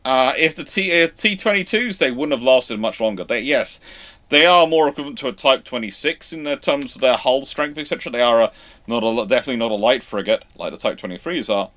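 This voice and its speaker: A man's voice: medium pitch, animated, fairly bright tone. A man hosting a casual live question-and-answer chat, stammering through false starts and repeating himself. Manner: halting, stammering false starts and self-repetition.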